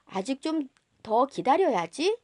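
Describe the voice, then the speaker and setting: A woman's voice: high-pitched, very animated, a little slow, a little mellow, no echo, clean studio sound, full character voice. A woman reading a tender, musing storybook pilot. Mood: patient. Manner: tender, musing address to a child. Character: gentle reflective grown-up male pilot, storybook narrator.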